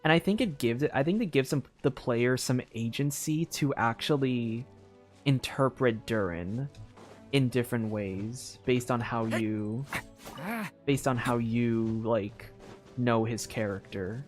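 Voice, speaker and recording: A young man streaming a story game, thinking out loud in a loose, rambling way with lots of filler words and restarts. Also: mid-range voice, a little slow, soft background music. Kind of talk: casual live-stream commentary.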